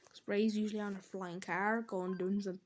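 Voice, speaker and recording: A woman chats casually while playing a game as the host of a gaming channel, rambling along and quick to laugh or exclaim. Her pitch sits in the middle and barely moves, and there's a little hiss or hum in the background.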